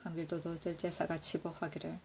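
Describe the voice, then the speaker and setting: A woman reading historical court annals aloud in a steady, measured recitation, now and then correcting herself. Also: low-pitched, gravelly, a little hiss or hum. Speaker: reader of historical records.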